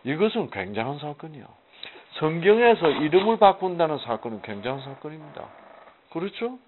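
A man's voice: fairly high pitch, big pitch swings, fairly quick, slight background noise. A man teaching a casual Bible study, asking rhetorical questions and answering them himself with emphasis. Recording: muffled phone-like audio.

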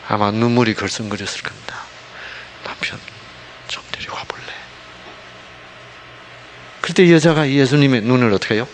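A man preaching a sermon, asking the congregation constant rhetorical questions and dropping from loud emphasis to hushed asides. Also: medium pitch, a little hiss or hum. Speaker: pastor.

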